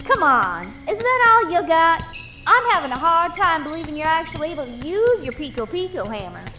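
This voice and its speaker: A very high-voiced young cartoon animal girl, played by a woman, friendly and sassy. Her delivery is bright and animated, full of playful teasing, in an audio drama style. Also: a little fast, faint music behind, exaggerated voice. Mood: teasing, competitive. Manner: playful, expressive banter.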